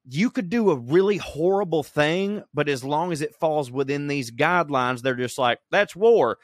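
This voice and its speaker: A man's voice: a little high, no echo, studio quality. A man co-hosting a podcast, chatting casually in a rambling, profane, joking way. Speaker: podcast co-host. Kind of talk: casual comedic chat. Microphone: remote recording.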